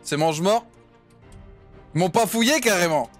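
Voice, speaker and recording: A man's voice: high voice, normal speed, soft background music, voice pushed up, natural voice. A man playing a rowdy, mouthy gypsy crook. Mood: aggressive. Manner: insulting, repeats "carrément" constantly. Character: brash rowdy male gypsy crook, hot-headed. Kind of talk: roleplay character voice.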